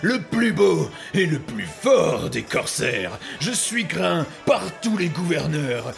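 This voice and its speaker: A man acts out a melodramatic pirate captain with a heavily creaky, fairly high voice. He is a pompous braggart with a grandiloquent turn of phrase, set over faint music in an audio drama. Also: sing-song, takes it slowly, full character voice. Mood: boastful. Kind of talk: French audio drama acting.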